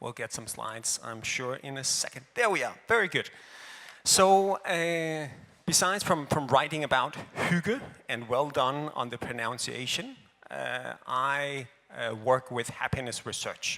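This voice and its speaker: This man's voice is fairly high-pitched with a Danish accent, a bright, sharp tone and lively intonation. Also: fairly slow pace. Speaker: happiness researcher. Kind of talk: lecture. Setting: stage with audience. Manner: halting.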